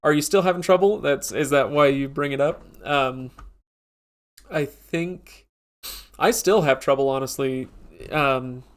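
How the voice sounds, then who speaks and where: A podcast host with a nasal, stuffed-up voice, chatting casually on a live stream. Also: male voice, on the high side, a little slow, long pauses.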